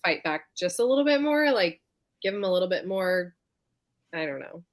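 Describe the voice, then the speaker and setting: A woman's voice: lowish voice, sing-song, moderate pace. A woman in a casual book discussion on a live show, often searching for her words.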